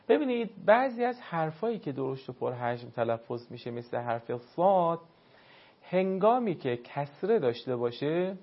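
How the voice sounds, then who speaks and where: A man teaching the pronunciation of Arabic letters for recitation, explaining patiently and slowing down to demonstrate each sound. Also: on the high side, creaky. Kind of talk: spoken pronunciation lesson. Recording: dull lo-fi sound.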